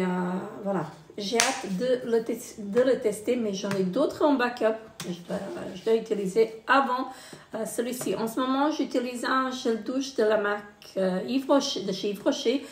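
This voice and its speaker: A woman's voice: fairly high pitch, far from the mic, slight background noise. Hesitant woman vlogger, roomy sound. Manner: hesitant, many fillers, reads product blurbs aloud. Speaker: beauty box unboxing vlogger. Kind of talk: casual unboxing commentary. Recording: roomy, a bit off-mic.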